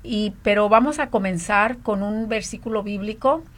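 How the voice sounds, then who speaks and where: Mujer fervorosa rezando por la radio. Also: female voice, mid-range voice, normal speed. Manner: fervent praying, many fillers. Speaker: radio show host. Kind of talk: Christian radio talk and prayer.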